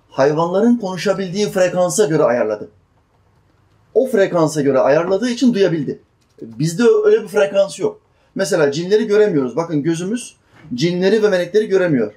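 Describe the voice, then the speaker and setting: A man's voice: fairly high pitch, mellow. A man preaching a sermon, explaining Quran verses and asking his listeners questions. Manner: chants Quranic verses slowly, then explains in plain speech; asks the listeners questions and answers them.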